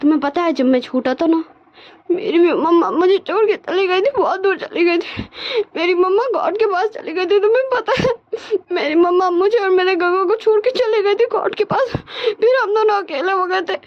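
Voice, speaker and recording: A woman's voice: very high voice, normal speed, muffled recording, pitched above the performer's own voice. A woman voicing a cheerful young man who turns childlike and tearful when he misses his mother. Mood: tender, tearful.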